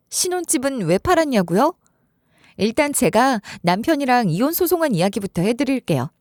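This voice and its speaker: A woman reads a dramatic first-person story with a lively, swinging melody and a slightly high pitch. She is recorded on a close studio mic, entirely dry with no room around her. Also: dry recording. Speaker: story radio narrator.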